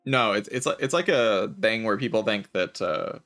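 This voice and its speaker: A man streaming a game, chatting casually in a relaxed, raspy voice with vocal fry, often saying "like". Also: lowish voice, moderate pace, soft background music. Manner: relaxed, laid-back, chatty with filler "like". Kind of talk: casual chat while gaming.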